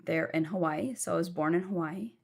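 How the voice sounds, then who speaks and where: Young woman, low voice, gravelly fry, frank personal storytelling, lying down. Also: a little fast, a little mellow. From southern United States. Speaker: podcast guest. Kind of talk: candid life-story telling. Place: lying down while recording.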